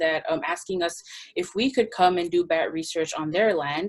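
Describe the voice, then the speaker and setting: A woman's medium-pitched voice with a Samoan accent.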